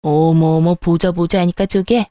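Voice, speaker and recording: A woman's voice: fairly low pitch, fairly even intonation, moderate pace, warm tone, no echo, clean studio sound, voice pushed down, lightly acted. A woman voicing a whiny, meddling older mother-in-law who wails and scolds, in storytelling with voiced dialogue. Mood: indignant. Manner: wailing and reproachful.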